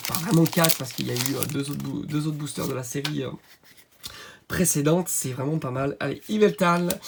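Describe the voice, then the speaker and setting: Hoarse man with a cold, gravelly. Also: a little high, slight background noise. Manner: chatty, many fillers, excited at good pulls. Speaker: channel host. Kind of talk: card unboxing commentary.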